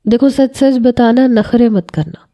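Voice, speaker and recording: A woman reading a young husband, coaxing and very dark-toned. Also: on the high side, highs cut off, pitched above the performer's own voice, close to an everyday voice. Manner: curt when angry, softening to coaxing and affectionate. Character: young newly married husband, possessive yet tender.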